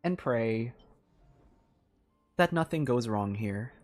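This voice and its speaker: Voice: mid-range voice, expressive, slow, darkish tone, soft background music. A game streamer talking casually and thinking aloud, in an informal, hesitant and rambling way. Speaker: livestreamer playing a game.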